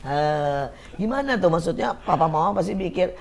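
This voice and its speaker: A woman's voice: fairly low pitch, animated, moderate pace, gravelly. A woman hosting a Christian talk show, asking questions and giving preachy encouragement with frequent exclamations. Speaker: host.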